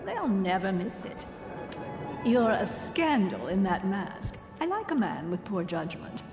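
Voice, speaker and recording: A woman's voice: mid-range voice, sing-song, measured pace. Swooping, flirtatious society lady. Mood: flirtatious, playful. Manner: arch, playful, coquettish. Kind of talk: video game character dialogue. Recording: echoey hall, music behind.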